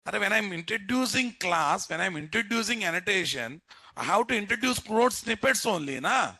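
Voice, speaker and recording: A man's voice: high voice, animated, moderate pace, sharp tone, dry recording. A man with a Telugu Indian English accent teaching a live programming class in a blunt, scolding way, repeating himself and tossing out rhetorical questions. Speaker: programming instructor. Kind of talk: live classroom lecture to students.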